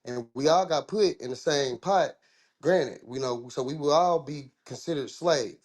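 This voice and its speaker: A man's voice: a little high, a little slow. A man from the American South with a Southern accent, talking in a casual discussion, rambling and restarting his sentences in informal speech.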